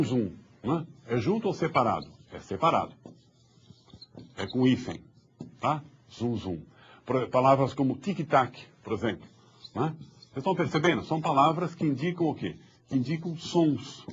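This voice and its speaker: A man's voice: medium pitch, expressive, normal speed, husky. A man giving a patient, explanatory lecture on spelling, repeating points and checking that listeners follow. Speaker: author giving a talk on spelling reform. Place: publisher's studio. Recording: dull muffled lo-fi sound.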